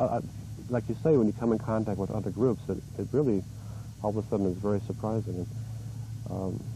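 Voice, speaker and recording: A man hosting a local TV interview show, asking questions gently and affirming his guest often. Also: lowish voice. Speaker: host. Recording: 1980s cable TV studio tape, faint noise.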